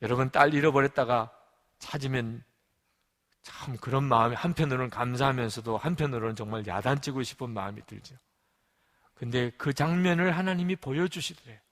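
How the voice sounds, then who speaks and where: A man preaching a sermon as pastor, telling a story and moving between raised, forceful lines and quiet, hushed ones. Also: medium pitch, fairly quick, in a large hall. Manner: storytelling with acted quotes, swings between loud and hushed. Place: church sanctuary.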